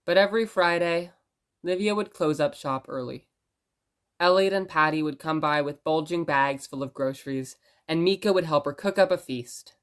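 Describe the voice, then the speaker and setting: A woman acting as a gentle radio host in an audio drama, telling stories in a musing, conversational way. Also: low voice, normal speed, clean tone, lightly acted. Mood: gentle storytelling. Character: rambling, gentle blind radio station host.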